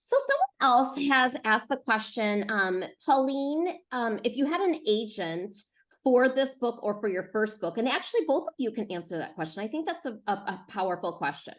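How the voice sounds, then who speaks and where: A woman's voice: a little high, animated, normal speed. A woman hosting a casual question-and-answer session on a video call, explaining things in an encouraging way. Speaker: host, book publisher's representative. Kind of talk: hosting a casual online author Q&A.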